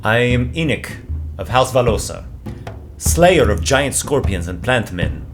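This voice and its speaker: A man's voice: medium pitch, big pitch swings, a little slow, faint music behind. A man voicing a brash, boastful sailor adventurer with a crude tongue.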